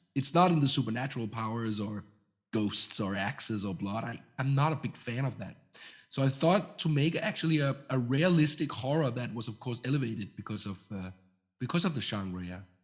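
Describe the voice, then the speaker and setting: Somewhat breathy, a man with a Danish accent talks at a fairly quick pace. His intonation is lively. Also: medium pitch for a man, very clean recording, silent background. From Denmark. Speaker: film director. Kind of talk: interview. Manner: halting.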